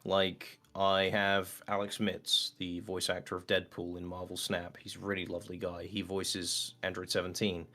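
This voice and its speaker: A man's voice: sits low, completely flat delivery, moderate pace, few pauses, bright, forceful tone. A man speaking as an interview guest in casual chat, explaining things in a hesitant, rambling way. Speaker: interview guest, voice actor and creator of a parody series.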